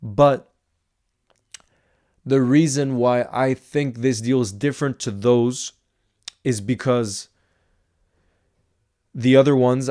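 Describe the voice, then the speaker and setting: A man's voice: mid-range voice, a little mellow. A man with an American accent, of half French and half Icelandic origin, hosting a casual football livestream, reading viewer comments and repeating words for emphasis.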